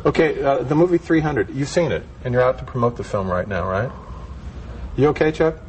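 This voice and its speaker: A man with a mid-pitched presenter's voice hosts a live interview. He talks conversationally, with faint noise in the background. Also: lively intonation, brisk, low-quality recording. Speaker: television interviewer, host.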